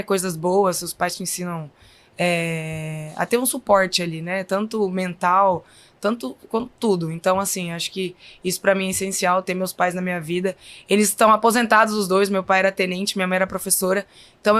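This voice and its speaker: This volleyball player, a Brazilian woman in her thirties from Minas Gerais by her accent, has a mid-range, fairly bright voice. Chatty and relaxed, she tells stories as a podcast interview guest, frequently dropping "então, assim".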